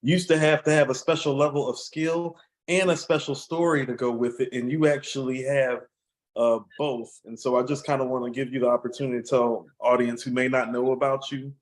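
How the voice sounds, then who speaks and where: A man's voice: mid-range voice, fairly even intonation, brisk, low-quality recording. Chatty male interview host. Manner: conversational, winding questions with "you know" fillers. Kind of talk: casual interview talk.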